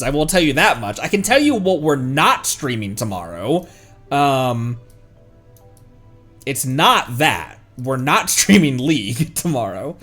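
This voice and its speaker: A man's voice: on the high side, a bit bright. A man chatting casually on a livestream as the streamer, playful and rambling.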